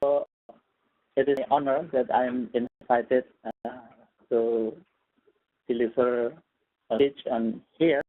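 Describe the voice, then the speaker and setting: A man with an Indonesian accent giving a formal academic lecture as a guest professor, speaking haltingly in non-native English. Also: medium pitch. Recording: tinny phone-like audio.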